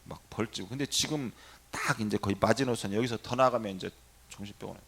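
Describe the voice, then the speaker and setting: A middle-aged man, a Catholic priest, telling a story in a sermon and acting out the quoted dialogue with lively energy. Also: fairly low pitch, fast talker, creaky, husky.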